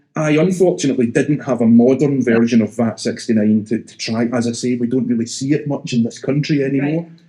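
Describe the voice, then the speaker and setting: A man with a Scottish accent at a very fast pace and medium pitch, dark, mellow tone, hardly any pauses, ordinary pitch variation and big swings in loudness. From Glasgow, Scotland. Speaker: whisky reviewer. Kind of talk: casual conversation explaining whisky.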